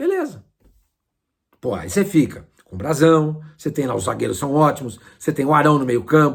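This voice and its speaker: In an animated tone, a man speaks at a fairly quick pace and a fairly high pitch. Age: 60s. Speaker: football pundit. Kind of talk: casual monologue to camera.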